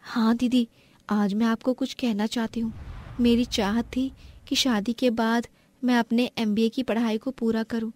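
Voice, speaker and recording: A woman voicing a meek, dutiful young daughter-in-law in an animated family story, speaking deferentially. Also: a little high, measured pace. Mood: confiding. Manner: deferential, apologetic.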